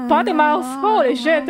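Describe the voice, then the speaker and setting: A woman VTuber giving casual, exclamatory reaction commentary with informal swearing, recorded close in a dry room. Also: high voice. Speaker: VTuber host.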